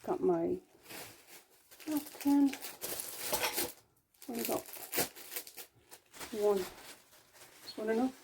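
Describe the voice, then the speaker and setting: A woman's voice: a little high, animated, slow, gravelly, pauses often, noisy background. A woman with an Irish accent chatting casually at home for her vlog, rambling and poking fun at herself. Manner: chatty, rambling, self-mocking. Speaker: vlogger. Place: at home, indoors.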